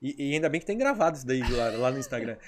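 A hypnotherapist guesting on a podcast tells stories animatedly in casual chat, acting out the dialogue. His mid-range voice is rapid-fire, with a little hiss or hum in the audio.

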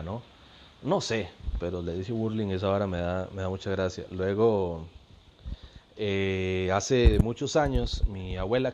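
A Costa Rican comedian and podcast host in his thirties tells funny stories in a chatty, slangy monologue full of laughs. His voice is fairly low and darkish. The sound is lo-fi with slight background noise.

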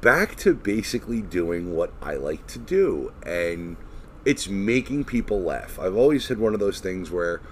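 A man hosting a podcast, chatting casually in a halting, informal way with some swearing. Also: deep voice, sing-song. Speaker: podcast host. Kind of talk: casual chat. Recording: noisy recording.

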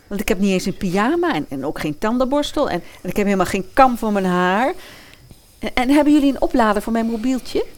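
A woman's voice: on the high side, lively intonation, brisk, close to an everyday voice. Woman playing girlish, chatty Snow White. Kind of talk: comic fairy-tale audio drama.

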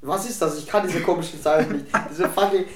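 Excitable young man, higher voice, echoey room. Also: brisk, over a noisy crowd. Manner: excitable, repeats questions, swears a lot. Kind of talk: casual chat.

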